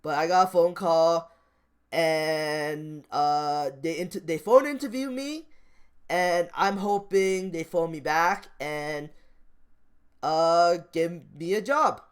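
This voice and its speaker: A man's voice: fairly high pitch, slow, clear, resonant tone. A man talking off the cuff like a vlogger about his views, rambling, repeating phrases and restarting his sentences. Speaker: stock market vlogger. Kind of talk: casual off-the-cuff vlog commentary.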